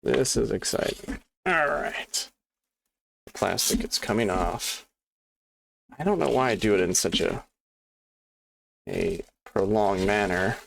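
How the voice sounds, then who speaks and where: Low gravelly dude rambling through an unboxing at his desk, chatty, keeps apologizing. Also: slow pace, long pauses, fairly bright tone, a little hiss or hum. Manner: rambling, many fillers and restarts, chatty and apologetic. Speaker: board game channel host. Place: home desk.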